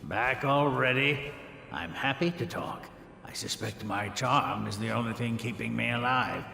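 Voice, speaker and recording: An actor playing a vain, charming court painter who drawls with wry self-regard. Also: male voice, mid-range voice, a little slow, creaky, bright, forceful tone, faint music behind, exaggerated voice. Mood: wry, musing. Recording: roomy reverberant game space.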